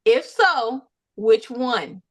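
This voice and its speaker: A woman co-hosting a podcast, asking bluntly worded questions in a brisk, casual way. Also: on the high side, sing-song, no room sound. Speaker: podcast co-host.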